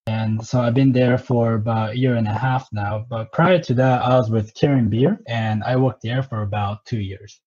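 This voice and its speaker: A man in his thirties, originally from Japan, tells his story in a conversational interview style. His voice is a little husky and sits at an average pitch. The recording is dull and slightly lo-fi. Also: steady tone, normal speed, hardly any pauses, a little mellow. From Japan, moved to Southern California at twelve. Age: 30s. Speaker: interview guest, sake company representative.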